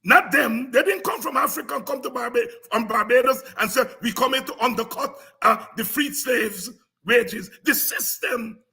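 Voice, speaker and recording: A Guyanese man with a very husky, gravelly voice, pitched strikingly high for a man. He lectures informally and combatively, repeating points for emphasis like a programme host driving a lesson home. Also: normal speed, few pauses, sharp tone. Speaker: host of a politics and history talk programme. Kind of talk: impassioned informal history lecture to an audience.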